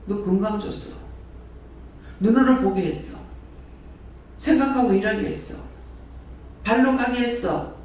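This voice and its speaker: Speaking unhurriedly and pausing often, a high-voiced man with a darkish tone delivers a sermon as the prayer house's director, repeatedly posing rhetorical questions to his congregation. The church hall recording carries heavy echo, distant placement, and a little background noise.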